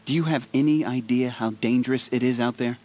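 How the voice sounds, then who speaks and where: An actor playing a humble, earnest young tribal stitcher in a video game, soft-spoken, sincere and a little hesitant. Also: male voice, mid-range voice, steady tone, brisk, close to an everyday voice. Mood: worried, cautious. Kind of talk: video game cutscene acting.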